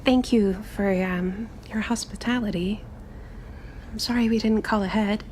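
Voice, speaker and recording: A woman's voice: medium pitch, fairly even intonation, unhurried, darkish tone, a little hiss or hum, lightly acted. A woman playing an earnest, well-mannered girl in a tabletop game, speaking in a hesitant, courteous way. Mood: polite, shy. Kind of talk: tabletop roleplay.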